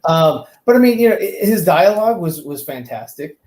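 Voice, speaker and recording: Halting man in an echoey room. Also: on the high side, very animated, darkish tone. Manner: halting, rambling, repeats words. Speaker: panelist on a fan talk show. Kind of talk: casual opinionated film chat.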